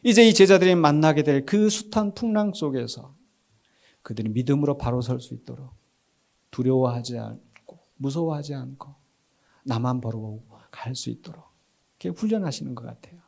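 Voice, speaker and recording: A middle-aged man preaching a Sunday sermon in a conversational, animated way, asking the congregation questions and answering them himself. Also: mid-range voice, normal speed, gravelly. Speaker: pastor. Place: church sanctuary.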